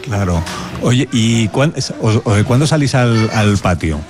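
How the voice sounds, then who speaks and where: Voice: mid-range voice, lively intonation, a little slow. A reporter asking chatty, friendly questions in a classroom and laughing often. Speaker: reporter interviewing in a school. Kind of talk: casual interview. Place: rural classroom.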